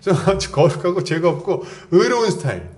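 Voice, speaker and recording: Male pastor, fairly high voice with wide, lively pitch swings, casual preaching. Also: fast talker. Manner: conversational preaching, acts out quoted lines, chuckles often. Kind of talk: sermon.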